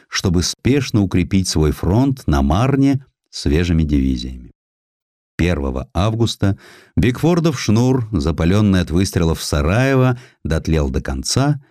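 A deep-voiced man reads a historical audiobook. His delivery is expressive and theatrical, with pitch that moves widely through each sentence. The sound is dry and close. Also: no room sound. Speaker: audiobook narrator. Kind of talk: scripted dramatic narration of a historical essay.

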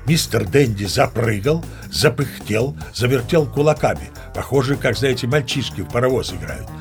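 Audio play lead: seasoned old mariner telling yarns, mid-range voice, wry dignity, soft music underneath. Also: male voice, mid-range voice, animated, normal speed, gravelly. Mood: chatty, wry. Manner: chatty raconteur, mock-dignified. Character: seasoned old male sea captain spinning tall tales. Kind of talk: dramatized storytelling narration.

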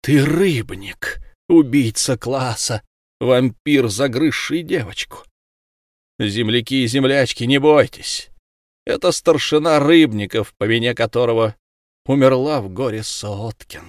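A man's voice: mid-range voice, measured pace, no room sound, studio quality, natural voice. A man voicing a bold male hero who calls out a killer to the townsfolk. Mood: stern.

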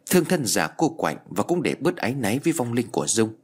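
A man narrating a ghost story in a slow, grave storytelling voice. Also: medium pitch, very animated, slightly rough.

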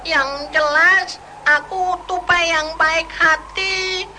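A woman's voice: very high-pitched, fairly even intonation, slow pace. A woman voicing a kind, chatty talking white squirrel in a storytelling drama, playful and fussy, tripping over her words. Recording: music playing behind the voice.

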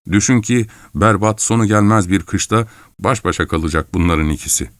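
A man's voice: fairly low pitch, no echo, studio quality, natural voice. A man voicing a wiry, graying male adventurer who talks in a mocking, persuasive way in an audiobook. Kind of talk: audiobook character voice.

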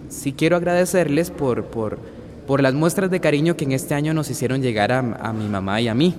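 A man's voice: mid-range voice, long reverb tail, close to an everyday voice. An actor playing a young man who nervously thanks a crowd, stumbling over his words. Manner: hesitant, stumbling, lots of fillers. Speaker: grandson giving a thank-you speech.

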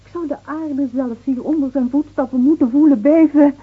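A woman acting an anguished, desperate woman in a theatrical radio drama, pleading and shifting between outcries and breathy whispers. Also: high-pitched, steady tone, moderate pace, close to an everyday voice. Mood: agitated pleading. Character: anguished, desperate woman dreading her beloved Manuel's return. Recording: tinny, band-limited old radio play recording.

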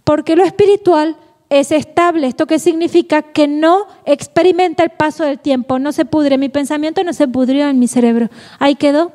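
A woman gives a Catholic formation lecture in a playful way, laughing often and asking rhetorical questions. Her voice is high. It rings through a hall with a long, echoey reverb. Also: moderate pace, dark tone.

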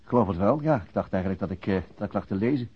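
An actor playing an awkward, evasive middle-aged male police detective in a naturalistic radio play, hesitant and halting. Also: on the low side, expressive, slightly rough. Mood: weary, drowsy. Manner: hesitant, halting, repeats words. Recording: dull lo-fi radio recording.

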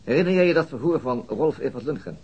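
A senior police detective in a radio drama. His voice is husky and he talks briskly, with patient authority and short, courteous questions. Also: medium pitch, expressive, a little mellow, muffled recording. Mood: thoughtful, calm. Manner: terse, measured questioning, courteous. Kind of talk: Dutch radio drama acting.

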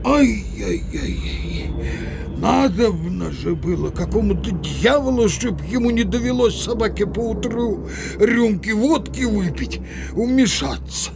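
An actor playing a grumbling, sociable and indecisive village Cossack in an audio play, with drawn-out exclamations. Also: male voice, sits high, sing-song, gravelly, noisy background, exaggerated voice. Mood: grumbling, indignant. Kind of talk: theatrical audio play acting.

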